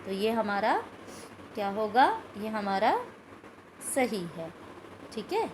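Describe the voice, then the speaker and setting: Slow, patient woman teacher. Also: mid-range voice, slight background noise, poor audio. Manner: explains slowly, repeating words and sounds aloud; asks questions of pupils, adds "ठीक है" often. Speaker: school Hindi teacher. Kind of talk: recorded video lesson.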